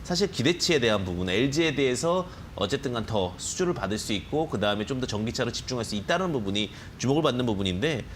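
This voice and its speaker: A man analyzing stocks as a studio guest, talking quickly with a lively rise and fall. He piles up careful hedges as he explains, and a faint hum of room noise sits behind him. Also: medium pitch. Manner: rapid, explanatory, hedging phrases. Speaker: stock market expert guest.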